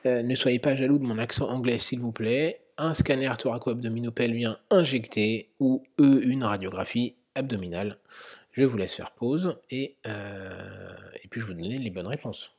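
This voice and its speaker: A man's voice: medium pitch, normal speed, a little mellow, husky. A man, a medical educator, talking through an emergency-medicine quiz in an explanatory way, with many fillers. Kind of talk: narrated quiz lesson.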